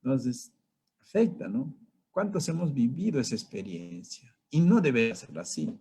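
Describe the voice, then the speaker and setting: A man's voice: medium pitch, sing-song, a little slow, dark tone, husky. A man teaching an informal self-help lesson in a conversational way, often checking in with his listeners. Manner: conversational, keeps asking "right?", acts out angry drivers. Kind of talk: informal talk on personal growth.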